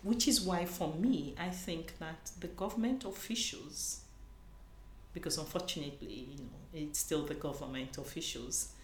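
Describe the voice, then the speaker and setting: A woman's voice: low-pitched, moderate pace. Earnest woman from Nigeria, echoey room. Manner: earnest, searching, frequent restarts. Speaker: conference panelist. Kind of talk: conversational interview. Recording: echoey room with faint noise.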